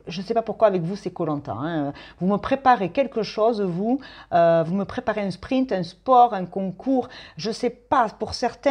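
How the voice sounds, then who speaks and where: A woman's voice: medium pitch, darkish tone. Chatty woman giving a tarot reading. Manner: chatty and playful, lots of fillers. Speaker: tarot reader.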